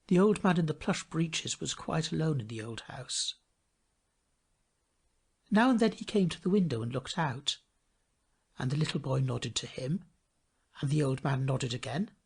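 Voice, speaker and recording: Male fairy-tale narrator: expressive, measured scripted read, very varied intonation, slightly breathy-husky tone. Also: fairly high pitch. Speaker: storyteller.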